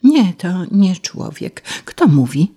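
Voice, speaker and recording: A woman's voice: lowish voice, sing-song, slow pace, dark tone, slightly rough, heavily acted. A woman voicing a prim, cold-hearted female ladybird who moralizes scornfully. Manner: scornful and preachy.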